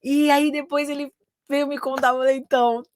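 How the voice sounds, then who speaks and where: A woman's voice: high voice, little pitch movement, brisk, dry recording, studio quality. A Brazilian woman, a native Portuguese speaker, teaching English in a chatty live online class and switching between both languages.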